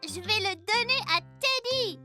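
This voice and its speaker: A very high, slow-spoken little boy for a children's cartoon. He sounds sweet, simple and expressive, with music playing behind him. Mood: content. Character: cheerful, sensitive four-year-old cartoon boy.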